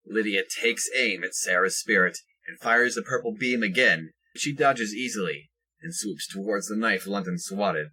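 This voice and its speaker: A man's voice: lowish voice, normal speed, bright, forceful tone, slightly rough, poor audio. A man reading scripted present-tense action narration for an audio drama.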